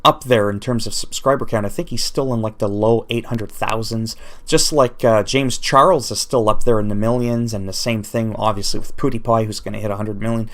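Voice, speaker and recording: A man's voice: fairly low pitch, steady tone, a little fast. A man whose first language is French, ranting off the cuff in an unscripted vlog commentary and thinking aloud as he goes. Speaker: YouTuber.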